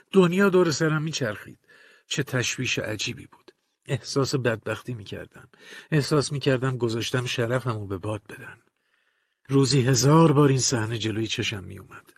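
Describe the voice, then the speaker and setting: A man narrating a first-person audiobook in a measured, confessional, colloquial manner, recorded close to a studio mic. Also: mid-range voice, animated, breathy edge, dry recording.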